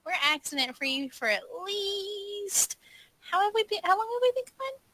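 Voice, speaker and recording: A woman's voice: very high-pitched, sing-song, normal speed, bright, forceful tone, slight background noise. A woman playing a tabletop roleplaying game, improvising casual in-character dialogue in a wry way.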